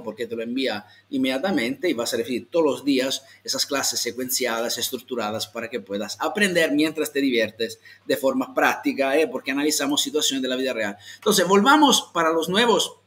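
Italian male language teacher, mid pitch, online beginner lesson, slow modeled phrases. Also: a bit bright. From Italy. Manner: slow, exaggerated model pronunciations for repeating.

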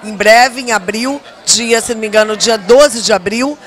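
A woman's voice: fairly high pitch, moderate pace. A middle-aged actress chatting backstage into a handheld mic, promoting her upcoming play in a chatty way. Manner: chatty, promotional, stretches words. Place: backstage at a theater, indoors. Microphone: handheld interview mic.

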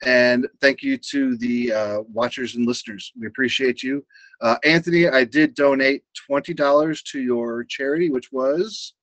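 A quiet, soft-spoken man hosting a live-stream chat, talking hesitantly with many fillers. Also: medium pitch, fairly even intonation, normal speed, no room sound, low-quality recording. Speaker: host.

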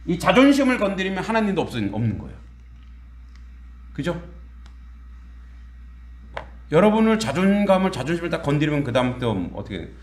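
Lively preaching man in an echoey church. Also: medium pitch. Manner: lively, conversational preaching with acted quotes and laughs. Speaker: pastor. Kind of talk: sermon. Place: church sanctuary.

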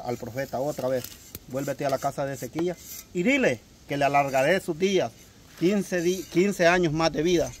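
A man, speaking in a preachy manner. He retells scripture with rising emphasis. A faint hiss runs under the recording. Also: mid-range voice. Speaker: religious cousin. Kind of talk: comedic sketch conversation.

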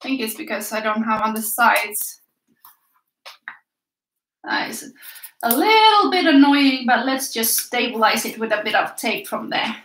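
Swedish lady art teacher, high voice, chatty and encouraging, echoey little room. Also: animated, measured pace, pauses often, fairly bright tone, slight background noise. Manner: chatty, encouraging, talks to viewers while painting. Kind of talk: live paint-along lesson. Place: small indoor room by an easel. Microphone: camera a few feet away, turns away at times.

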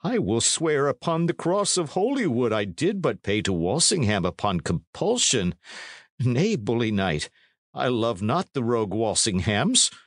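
Man playing a fawning, lively-pitched innkeeper. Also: a little slow, dry recording, studio quality. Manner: fawning, earnest, archaic speech. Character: ingratiating, stout-hearted innkeeper protesting his loyalty.

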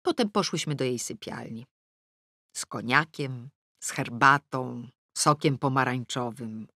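A middle-aged woman reading a novel aloud in the first person, with wry, lively comic timing. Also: a bass voice, no room sound, clean studio sound. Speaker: audiobook narrator. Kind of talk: first-person audiobook narration. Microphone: close studio mic.

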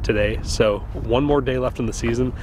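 A man's voice: mid-range voice, moderate pace. A man in his thirties hosting a fishing vlog from a small boat on a lake, chatting upbeat about his gear. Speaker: fishing show host. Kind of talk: casual outdoor fishing vlog. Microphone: action camera on the boat. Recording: wind and water noise outdoors.

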